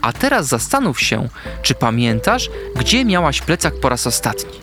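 A man voicing a wise, caring female owl who guides young animals, speaking in a soft, calm, soothing voice. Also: medium pitch, normal speed, over music, lightly acted.

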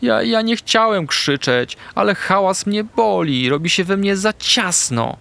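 A man voicing a small, sensitive puppy who speaks softly and stammers with a trembling voice. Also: mid-range voice, lively intonation, unhurried, dry recording. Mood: shaky. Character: small sensitive puppy, shy and easily overwhelmed.

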